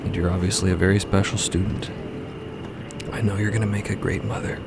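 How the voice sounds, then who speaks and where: A man voicing a wounded, earnest trans woman in a fiction podcast, halting and sighing as she confesses her self-doubt. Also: low voice, level tone. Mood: quiet, warm. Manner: halting, sighing, breaking into hushed near-whispers. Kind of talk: emotional dramatic monologue in a narrated fiction podcast. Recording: loud music bed.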